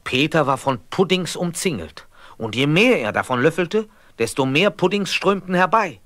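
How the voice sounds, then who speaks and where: A man narrating a scripted children's story as an expressive storyteller. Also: on the high side, moderate pace, no echo, studio quality.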